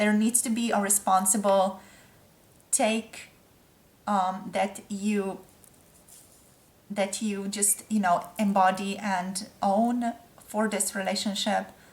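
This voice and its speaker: In a Slovenian accent, a somewhat breathy voice talks at a very slow pace in a monotone, flat intonation, with long, frequent pauses. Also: woman, medium pitch for a woman. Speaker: tarot reader. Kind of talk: tarot reading. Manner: halting.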